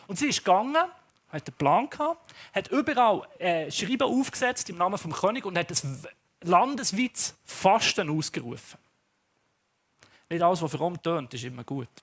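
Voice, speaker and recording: High-voiced Swiss pastor preaching. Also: male voice. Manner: animated storytelling, acts out characters. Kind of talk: sermon.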